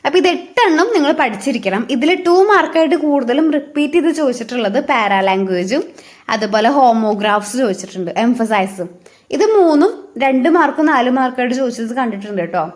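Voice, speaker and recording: A woman with a Malayali accent talks through exam material like a friendly tutor, circling back to restate points and tossing in rhetorical checks. Her voice sits a little high for a woman. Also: fast talker. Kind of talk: casual explanatory lesson.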